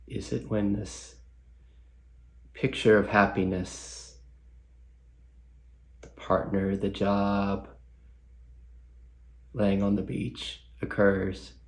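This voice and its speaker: A man leading a guided meditation as a guest teacher, speaking gently with long pauses and reflective questions. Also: fairly low pitch, flat delivery, slight background noise.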